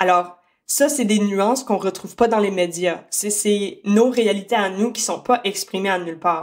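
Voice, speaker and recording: In an Acadian accent, a woman speaks fairly slowly at medium pitch with ordinary pitch variation, on a very clean recording with a silent background. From New Brunswick, Canada. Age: 20s. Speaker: francophone youth activist. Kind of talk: interview answer.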